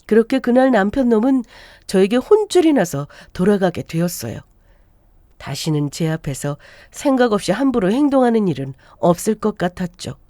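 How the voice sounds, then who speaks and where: A woman in her forties reads a first-person story aloud, her pitch rising and falling with animated, expressive turns. Her tone is mellow and darkish, and the sound is close and dry, with no room around it. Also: moderate pace, no echo. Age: 40s. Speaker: narrator. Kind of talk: scripted story narration.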